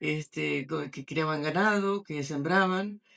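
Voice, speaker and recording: The speaker talks at a very slow pace in an Argentine accent. Pitch variation is ordinary. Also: woman. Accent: Argentine, kept after decades in Catalonia. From Argentina. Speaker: novelist. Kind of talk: book presentation interview. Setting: bookstore event with audience. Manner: hesitant, many fillers.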